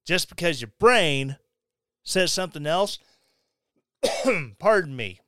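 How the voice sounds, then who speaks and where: A man's voice: on the high side, sing-song, slow, pushed and bright, dry recording, clean studio sound. A man from Missouri hosting a podcast, delivering a blunt opinionated rant with sarcastic asides. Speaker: podcast host. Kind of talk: opinionated monologue.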